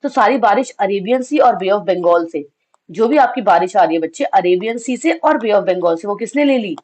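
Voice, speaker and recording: Speaking at a moderate pace, this Indian woman has a medium-pitched, expressive, slightly mellow voice. Her throat is a little sore as she runs an exam revision class, answering her own questions, slipping in English phrases, and referring to the students as kids.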